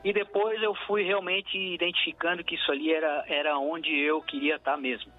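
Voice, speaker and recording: A man's voice: on the high side, level tone, normal speed, narrow, tinny audio. A man from southern Brazil with a southern Brazilian accent, a musician answering radio interview questions in a reflective way, full of fillers and restarts. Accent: southern Brazilian Portuguese. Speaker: musician guest.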